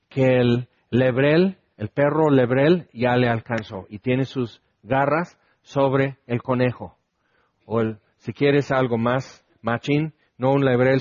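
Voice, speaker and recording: A man's voice: mid-range voice, a little mellow, no room sound, muffled recording. A man preaching a conversational sermon, asking his listeners questions and acting out the lines he quotes.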